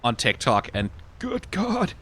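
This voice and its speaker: A man's voice: a little high, wildly swooping pitch, slow, sharp tone, husky. A man giving casual let's-play commentary as he plays. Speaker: gaming video host.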